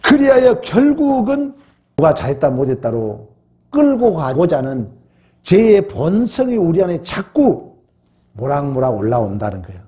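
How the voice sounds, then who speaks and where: A male pastor preaching at a midweek Bible study, emphatic, swinging from raised exclamations to hushed, drawn-out solemn phrases. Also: a little high, very animated.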